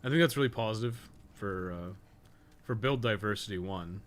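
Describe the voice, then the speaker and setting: Low-pitched man casually streaming a game. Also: moderate pace. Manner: rambling, frequently swearing, slangy. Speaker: livestreamer, podcast co-host. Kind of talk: casual gaming stream commentary. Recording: noticeable background noise.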